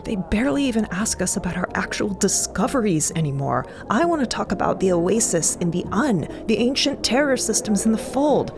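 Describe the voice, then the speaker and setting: A woman's voice: medium pitch, very animated, a little fast, few pauses, background noise. A woman voicing a frustrated, worn-down botanist, venting in an audio drama. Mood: exasperated. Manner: venting, exasperated. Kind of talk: audio drama character acting. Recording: loud music under the voice.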